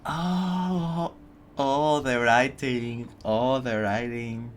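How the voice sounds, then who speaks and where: A man's voice: medium pitch, steady tone, drawn-out words, slight background noise. A man doing casual gameplay reaction commentary, muttering to himself and to the game as he plays. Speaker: game streamer.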